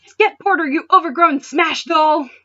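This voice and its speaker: A cocky, bratty boy bully played by a woman exclaims in a high, sharp voice. He is brash, loud and overdramatic, in a slightly dull home recording of a story. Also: normal speed. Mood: angry, impatient. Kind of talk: amateur fan fiction reading.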